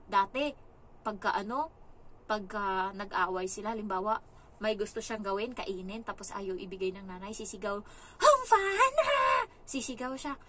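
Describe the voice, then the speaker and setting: A young woman from the Philippines, working as a household caregiver, tells stories in a casual vlog and acts out what people said in a raised, lively voice. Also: medium pitch, normal speed, noisy background. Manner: animated, acts out quoted lines in a raised voice.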